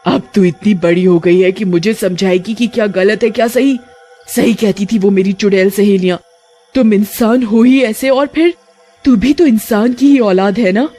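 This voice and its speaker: A woman's voice: mid-range voice, unhurried, mellow, breathy edge, faint music behind. A woman voicing a fierce snake-bodied female witch in a cartoon horror story, with a menacing, gloating delivery. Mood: angry.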